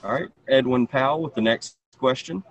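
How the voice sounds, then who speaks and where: A man in his thirties briskly moderating a press conference over a video call. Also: medium pitch, highs cut off. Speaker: media relations moderator. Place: indoor room, on video call. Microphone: video call, speaking through face mask.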